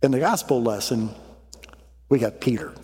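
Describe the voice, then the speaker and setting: A pastor begins his sermon with a homey, chuckle-filled anecdote from the pulpit. He speaks at a normal speed in a mellow, middle-pitched voice that echoes with the long reverb of the church hall.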